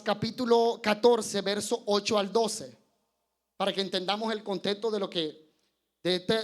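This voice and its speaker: A man preaching a sermon at a church service, questioning the congregation and chuckling between points. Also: sits high. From Colombia.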